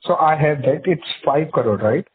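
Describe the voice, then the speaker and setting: A man's voice: on the high side, unhurried, breathy edge. A man with an Indian accent asking questions deferentially as a caller on a conference call. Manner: deferential, repeatedly saying sir. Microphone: phone call. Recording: muffled tinny phone line.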